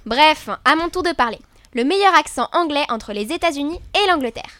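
A young woman co-hosting a scripted debate show, expressive and playfully indignant. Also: high voice, brisk, no echo. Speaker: co-host.

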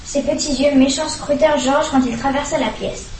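Woman, storybook reader, high voice, echoey room, far from the mic. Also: fairly even intonation, normal speed, a little mellow, a little hiss or hum. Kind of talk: reading a storybook aloud.

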